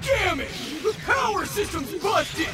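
A man's voice: very high voice, big pitch swings, a little slow, raised voice, over loud music, full character voice. A man playing a bombastic, showboating football star villain in a video game. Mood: frantic. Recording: heavy noise behind the voice.

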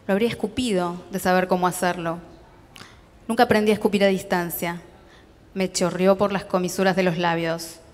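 A woman with a Rioplatense accent reading a story aloud at a literary festival, in a steady, measured way. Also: medium pitch, long reverb tail. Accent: Rioplatense Spanish. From Argentina.

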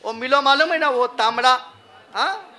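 A man's voice: very high voice, moderate pace, sharp tone, soft background music. A man giving a public lecture, asking the crowd rhetorical questions and mocking the people he quotes. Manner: rhetorical, asks the audience questions. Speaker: public speaker.

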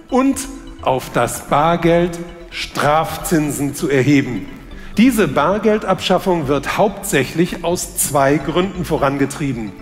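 Older man giving a slow stage lecture. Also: a little high. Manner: slow, measured delivery. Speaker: conference speaker. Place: large conference hall stage. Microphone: headset microphone. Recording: hall reverb.

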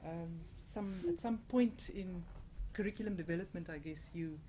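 A woman's voice: lowish voice, normal speed, dark tone, slight background noise. A woman, a lecturer, giving an informal introduction in a hesitant, reflective way. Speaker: university journalism lecturer introducing a guest.

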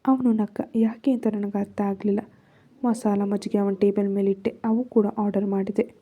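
A woman's voice: mid-range voice, level tone, moderate pace, narrow, tinny audio. A woman narrating a first-person love story in Kannada-accented speech, raising her voice for quoted lines.

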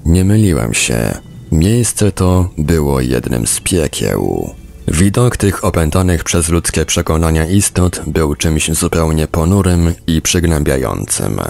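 A man's voice: extremely low pitch, big pitch swings, slow pace, gravelly, a little mellow. A man reading a book aloud as scripted narration for a podcast. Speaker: audiobook reader, podcast narrator.

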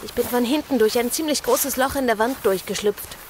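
A woman plays a plucky young girl, a loyal companion in a horror audio drama. Her very high voice is practical and matter-of-fact, over faint background noise. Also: fairly quick, close to an everyday voice. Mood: determined, practical.

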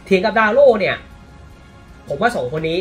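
A man from Thailand giving casual, animated football commentary, often exclaiming, with faint music behind him. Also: sits high, moderate pace.

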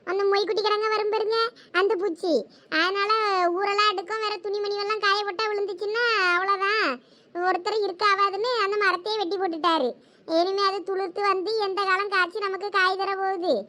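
A woman's voice: very high voice, steady tone, fairly quick, bright, forceful tone. A woman with a Thoothukudi Tamil accent acting out gossipy, scolding village women in a comedy sketch.

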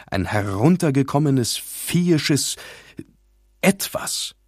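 A man reading an audiobook in a measured, dramatic scripted narration, recorded in a studio. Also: medium pitch, breathy edge, dry recording.

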